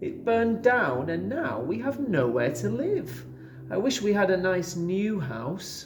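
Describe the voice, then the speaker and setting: A man puts on a squeaky character voice with a high pitch, speaking at a fairly slow pace over clear background noise. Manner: plaintive, sad.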